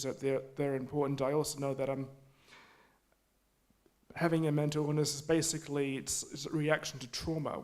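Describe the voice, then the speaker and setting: A man speaking at a community forum, halting with many restarts and fillers. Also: mid-range voice, darkish tone. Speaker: forum audience member. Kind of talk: spontaneous public remarks. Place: community hall.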